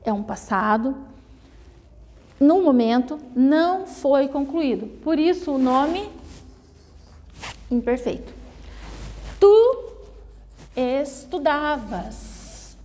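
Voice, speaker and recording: A woman's voice: high voice, animated, warm tone, in a large hall. A Brazilian woman teaching a grammar lesson, explaining step by step and often checking in with her students. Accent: Brazilian Portuguese. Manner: explains slowly, repeating and checking with "né?" and "tá?". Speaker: Portuguese teacher.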